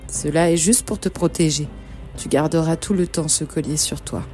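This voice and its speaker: A woman's voice: low-pitched, fairly even intonation, normal speed, mellow, lightly acted. A woman voicing a stern sea witch in a cartoon fairy tale, cautioning and commanding. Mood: stern warning. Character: stern, warning sea witch granting a wish. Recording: music behind the voice.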